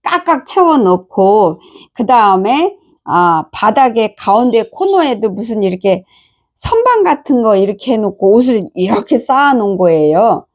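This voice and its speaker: A woman's voice: sing-song, normal speed, darkish tone. A middle-aged woman missionary giving an earnest testimony about a dream, telling it as a story. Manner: earnest storytelling, quoting others in a higher voice.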